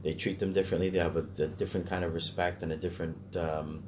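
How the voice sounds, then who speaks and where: A man's voice: deep voice, level tone, fast, noisy background. A Canadian man talking casually in a discussion, hesitant as he thinks aloud.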